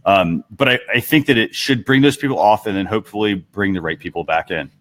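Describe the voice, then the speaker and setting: A man with a somewhat low voice hosts a casual talk show. He speaks conversationally into a headset, in an everyday informal style. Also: a little fast, fairly bright tone.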